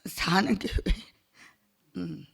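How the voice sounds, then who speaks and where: A middle-aged woman testifies before her church gathering in an unhurried, halting way. Her voice carries a gravelly edge, and she fills the gaps with hesitations and small laughs. It sounds personal and heartfelt rather than polished. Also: lowish voice, huge pitch swings. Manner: halting, with many fillers, laughing between phrases. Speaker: church member giving testimony.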